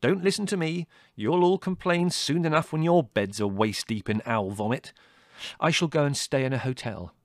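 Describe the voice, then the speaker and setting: A man's voice: mid-range voice, big pitch swings, moderate pace, no room sound, studio quality, voice pushed up, lightly acted. A man voicing an irascible young older brother in an audiobook, biting, sarcastic and theatrically indignant. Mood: withering. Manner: biting, withering, exaggerated indignation. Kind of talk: audiobook character dialogue.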